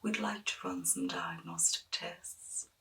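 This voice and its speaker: A woman playing an eccentric, courteous doctor in a whispered ASMR medical roleplay, giving gentle, polite bedside instructions. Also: sits low, wildly swooping pitch, measured pace, vocal fry, distant mic, heavily acted. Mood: welcoming. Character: eccentric, courteous female doctor at a secret science syndicate.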